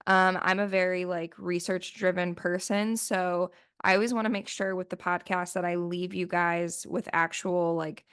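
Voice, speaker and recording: Solo podcast host, woman, chatty and rambling, smooth voice, a bit sniffly after the flu. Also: fairly low pitch, flat delivery, moderate pace, hardly any pauses, fairly bright tone. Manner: chatty, rambling, lots of "like" fillers. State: sniffly, voice still recovering from flu. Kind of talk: casual solo podcast chat.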